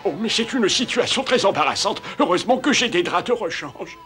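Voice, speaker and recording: An actor voicing a grumpy, theatrical old ghost who grumbles indignantly in a French cartoon dub. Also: male voice, high-pitched, lively intonation, fairly quick, music in the background. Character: grumpy, fussy old ghost who loves scaring old ladies.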